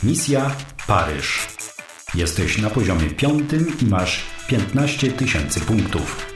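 Low, echoing ominous game master. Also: male voice, sing-song, slow. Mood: ominous, declarative. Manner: declarative, ominous announcements. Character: impersonal computer game master announcing scores and threats. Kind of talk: language-learning radio drama acting. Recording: echoey, music behind the voice.

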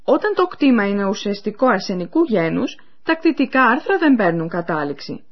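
Female radio course presenter, clear explanatory delivery, animated pitch, muffled lo-fi sound. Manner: clear, explanatory, addresses listeners. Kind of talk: scripted educational narration. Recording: dull lo-fi radio recording.

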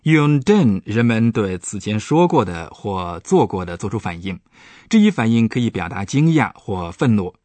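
A man's voice: on the low side, big pitch swings, normal speed, mellow, no echo. A man, a professor, patiently explaining German grammar points on a radio language lesson. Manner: patient, explanatory, stresses example words.

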